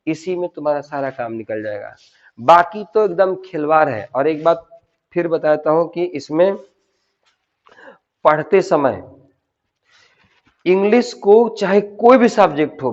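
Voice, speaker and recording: A man with a fairly high voice and a teaches spoken to a class. He drills words slowly and repeats them for practice. The recording sounds dull and lo-fi. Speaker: English teacher. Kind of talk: spoken English lesson in Hindi.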